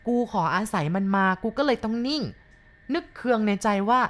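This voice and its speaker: A woman voicing a rough, coarse man who boasts of meeting a ghost, in a storybook reading. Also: fairly high pitch, lively intonation, normal speed, a bit bright. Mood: blunt boastful.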